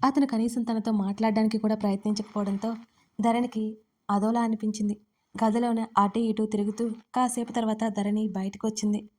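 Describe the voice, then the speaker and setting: A woman narrating a romance audio story in an even, expressive storytelling way. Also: on the high side, a little fast.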